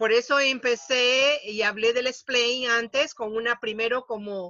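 This woman's voice is high-pitched, with fairly even intonation. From Mexico. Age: 60s. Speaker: mathematics professor. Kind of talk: lecture. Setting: video call.

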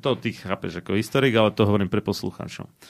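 Pitched fairly low, the man speaks at a very fast pace. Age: 40s. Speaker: radio host. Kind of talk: casual chat. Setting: studio.

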